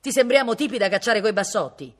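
A woman voicing a cranky old male hunter who shouts gruff retorts in a read-aloud story. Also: mid-range voice, animated, normal speed, voice pushed up.

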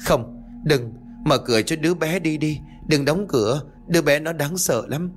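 A man's voice: fairly high pitch, moderate pace, soft background music, voice pushed up, close to an everyday voice. A man voicing a terrified young mother who raves in broken, repeating cries. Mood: frightened.

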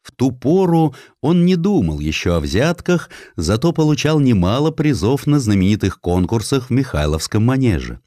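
A man's voice: medium pitch, very animated, normal speed, hardly any pauses, dark tone, dry recording, studio quality. A man narrating a satirical historical story as an audiobook, in a theatrical, ironic storytelling manner.

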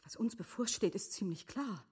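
An actress playing a composed, earnest middle-aged wife in a literary radio drama, speaking formally with a breathy, often hushed delivery. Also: female voice, mid-range voice, animated, moderate pace, in a whisper. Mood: hushed, urgent.

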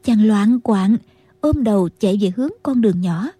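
A woman narrating a martial-arts novel as an audiobook, in a steady storytelling manner. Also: mid-range voice, moderate pace, breathy edge, dry recording.

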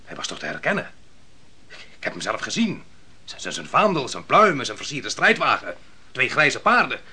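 Imperious, sharp-voiced army commander. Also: male voice, medium pitch, huge pitch swings, husky, full character voice. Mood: agitated. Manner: commanding, curt, quick to bark orders. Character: imperious, impatient ancient army commander, gruff and scornful. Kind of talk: Dutch radio play acting.

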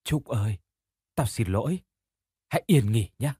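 A man's voice: medium pitch, expressive, a little slow, mellow, slightly rough, no room sound, studio quality. A man voicing a grieving teenage girl who speaks to a lost friend in a tearful, pleading way. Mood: soft farewell.

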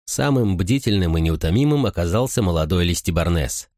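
A man narrating an audiobook in a steady, measured reading style. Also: deep voice, no echo, clean studio sound. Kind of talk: scripted narration.

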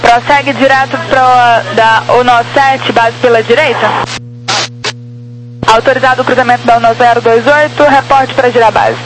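A woman working as an airport tower controller, giving brisk, terse procedural instructions over a walkie-talkie style radio. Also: a little high, fairly even intonation, music in the background, low-quality recording.

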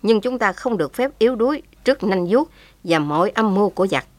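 Woman doing elderly father, calm, dignified, gentle, steady, dry close sound. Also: mid-range voice, brisk, no room sound, lightly acted.

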